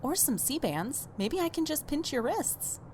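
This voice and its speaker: A woman's voice: sits high, sing-song, measured pace, darkish tone, slight background noise. A woman playing an upbeat, helpful young oracle in an audio drama, speaking naturally. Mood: friendly, helpful. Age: young adult.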